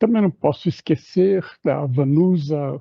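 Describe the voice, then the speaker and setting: This man's voice is fairly high and somewhat breathy, with ordinary pitch variation. He speaks at a fairly slow pace. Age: 70s. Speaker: webinar moderator, education professor. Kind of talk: moderated webinar introduction. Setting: video webinar at a computer.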